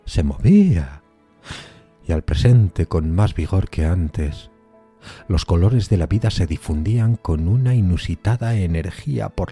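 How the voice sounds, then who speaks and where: A man playing a horror-struck widower in a gothic horror story, narrating theatrically and haltingly, with a husky voice. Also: fairly low pitch, warm tone, full character voice. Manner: theatrical, halting, emphatic repetitions. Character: haunted, horror-struck widower recounting his wife's resurrection.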